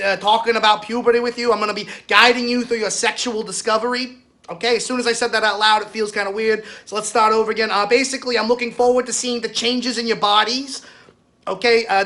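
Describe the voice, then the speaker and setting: A man's voice: very high voice, pushed and bright, exaggerated voice. A man playing an awkward coach forced to teach a class, stammering and correcting himself in a comic monologue.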